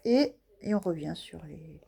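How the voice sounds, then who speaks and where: A woman's voice: sits low, animated, unhurried, gravelly, warm tone, breathy edge. A woman casually showing craft stamps in a vlog, talking hesitantly with many fillers and laughing at her own guesses. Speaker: scrapbooking vlogger.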